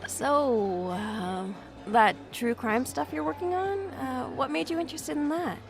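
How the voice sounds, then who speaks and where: A woman's voice: high-pitched, measured pace, gravelly. Casting: woman in her twenties, overworked but content homebody, hesitant and understated, naturalistic drama dialogue over music. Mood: curious. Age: 20s.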